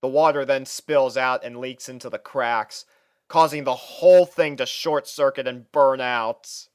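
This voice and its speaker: A man giving an expressive, dramatic first-person reading of a story as an exasperated student. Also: medium pitch, measured pace, smooth, no echo, studio quality. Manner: expressive, theatrical delivery with sighs. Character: exasperated young male student narrating his life with a roommate. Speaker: fan fiction reader.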